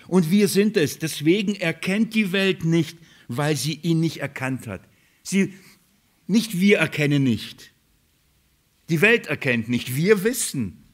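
A male preacher delivers a sermon in a slightly raised voice. He repeats his key words, throws rhetorical questions at the congregation and swings between loud emphasis and hushed, lowered lines.

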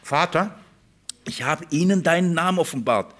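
A man's voice: on the high side, moderate pace, a bit bright. A man preaching a sermon, pressing his points with rhetorical questions to the congregation.

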